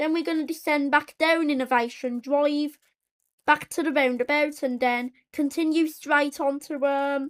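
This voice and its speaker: A woman with a British accent talks in a high pitch at a moderate pace. Her intonation stays flat and monotone. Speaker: bus enthusiast YouTuber. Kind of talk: live narration of bus route video. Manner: hesitant, many fillers.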